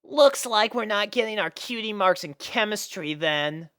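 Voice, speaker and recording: A woman's voice: mid-range voice, lively intonation, a little slow, fairly bright tone, clean tone, dry recording, clean studio sound, pitched above the performer's own voice. A woman voicing a headstrong young filly pony with an emphatic delivery in a story reading. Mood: dejected. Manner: emphatic, exclaiming.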